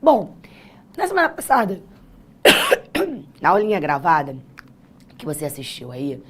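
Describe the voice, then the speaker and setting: A Brazilian woman with a naturally husky, hoarse voice, teaching a live online exam-prep class in an informal, encouraging, chatty way. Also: lowish voice, huge pitch swings, a little slow, a bit bright. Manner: chatty, encouraging, addresses students directly. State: hoarse, voice worn out. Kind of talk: live online lesson, informal pep talk.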